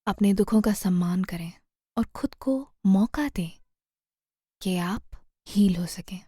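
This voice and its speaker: A woman narrating a guided meditation in a soothing, gentle manner, often trailing off into a near-whisper. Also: medium pitch, slow, breathy edge, dry recording, clean studio sound.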